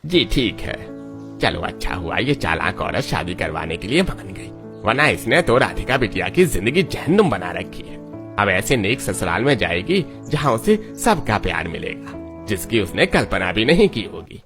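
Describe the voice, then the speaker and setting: A man voicing an older, kindly village priest who arranges marriages in an animated story, speaking steadily and earnestly. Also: fairly low pitch, normal speed, music in the background.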